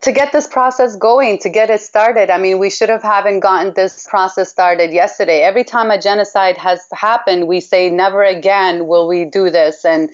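A woman's voice: mid-range voice, steady tone, normal speed, hardly any pauses. A woman from Iraq giving heartfelt interview answers as a campaigner, earnest and emphatic, repeating phrases for weight. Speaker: human rights campaigner, interview guest. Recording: dull, lo-fi line.

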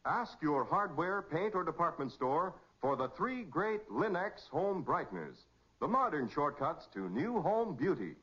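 A man's voice: on the high side, sing-song, measured pace, a bit bright, slight background noise. An American man announcing and narrating in scripted 1940s radio style, dramatic and emphatic. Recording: muffled 1940s radio recording.

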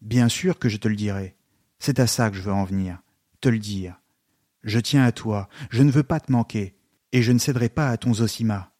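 A man voicing a brooding young intellectual in rebellion, read in a subdued, intense register. The tone is mellow and warm. The sound is dry and close. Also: lowish voice, normal speed, dry recording, lightly acted. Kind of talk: literary reading.

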